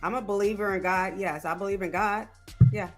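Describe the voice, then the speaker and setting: A woman in her forties co-hosting a call-in show, answering in a measured, deliberate way and repeating phrases. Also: medium pitch, steady tone, faint music behind. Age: 40s. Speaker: talk show co-host. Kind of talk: call-in discussion.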